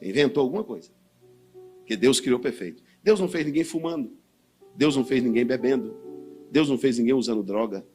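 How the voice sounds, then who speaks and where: A man with a Brazilian Portuguese accent preaching a sermon, swinging between low, quiet stretches and loud, fiery bursts. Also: animated, brisk, pauses often, soft background music. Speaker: pastor.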